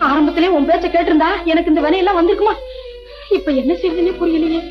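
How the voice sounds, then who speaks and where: A woman's voice: very high-pitched, steady tone, fast. An actress playing a fretful, easily swayed mother in a 1960s film drama. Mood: anxious. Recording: dull old film soundtrack with music.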